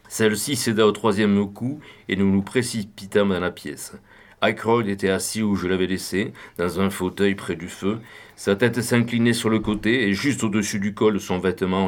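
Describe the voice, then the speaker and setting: A man narrating a novel in an audiobook, steady and even. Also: lowish voice.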